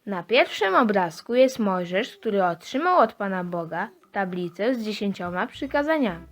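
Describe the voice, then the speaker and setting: A woman's voice: mid-range voice, very animated, normal speed. A woman narrating a step-by-step craft tutorial for children as the presenter.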